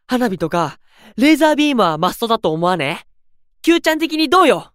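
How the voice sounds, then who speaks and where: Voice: mid-range voice, very animated, fast talker, a bit bright, clean tone, no room sound, clean studio sound. An actor playing a hyper, upbeat young male idol in an audio drama, with breezy, slangy speech. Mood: excited. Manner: breezy youth slang, exuberant. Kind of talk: Japanese audio drama acting.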